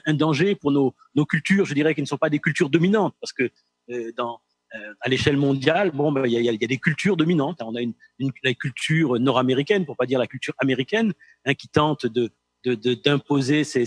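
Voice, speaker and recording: A man moderating a panel discussion, speaking haltingly and often repeating words as he goes. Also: medium pitch.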